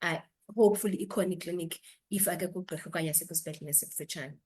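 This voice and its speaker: Racing along in a lowish, slightly mellow voice, a woman doctor with a South African accent shares health advice as an interview guest. She's instructive and shifts between two languages.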